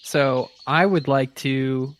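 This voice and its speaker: A man's voice: mid-range voice, steady tone, slow pace, slight background noise. A man talking casually as a player in a tabletop role-playing game, explaining his character's actions. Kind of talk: casual actual-play game talk.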